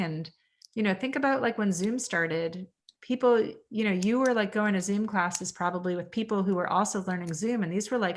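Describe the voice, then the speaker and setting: Against a very clean recording with a silent background, a woman speaks with a Canadian accent. Her pitch is medium, with ordinary pitch variation. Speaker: real estate sales trainer. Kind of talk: training workshop. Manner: animated, casual.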